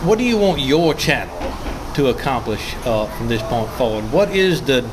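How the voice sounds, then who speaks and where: A man hosting a conversational interview in an earnest, deliberate way. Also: medium pitch, sing-song, noisy background. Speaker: host of a pipe hobby channel.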